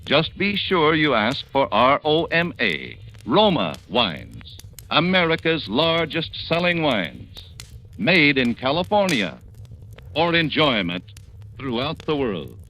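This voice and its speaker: Man, old radio ad, persuasive and animated, slight hiss. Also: mid-range voice, slow. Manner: persuasive, lively salesman delivery. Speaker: commercial announcer. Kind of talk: 1940s radio commercial.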